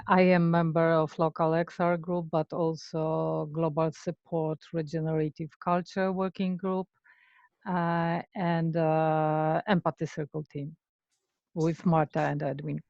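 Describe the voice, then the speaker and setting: A woman introducing herself on a video call, speaking slowly and carefully. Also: fairly low pitch, no echo. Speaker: participant. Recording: dry, dull video-call audio.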